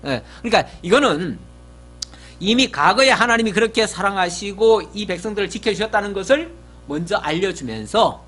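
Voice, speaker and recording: Male pastor, lively high voice, bright and a little husky; conversational sermon with questions, faint mains hum. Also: moderate pace. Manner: conversational, asks the listeners questions.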